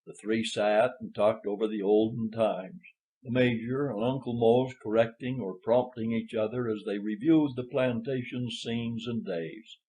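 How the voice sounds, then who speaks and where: A man's voice: mid-range voice, steady tone, unhurried, warm tone, rough recording. A man reading a literary short story as an audiobook narrator.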